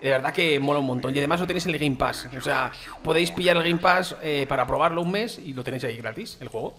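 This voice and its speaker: Man, Spain Spanish accent, gameplay chat, chatty and slangy, slightly higher voice. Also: quick pace, fairly bright tone. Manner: chatty, slangy, addresses viewers as "chicos" and "tío". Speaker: gaming YouTuber. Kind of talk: casual gameplay commentary.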